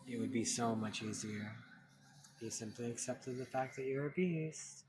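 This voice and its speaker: A man voicing a sly male tempter who taunts a killer in a quiet, low, mocking tone. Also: moderate pace, background noise, natural voice. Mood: scornful.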